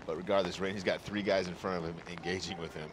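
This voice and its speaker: Deep-voiced man analysing sport. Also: steady tone, fast talker, noisy background. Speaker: color commentator. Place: outdoor paintball field.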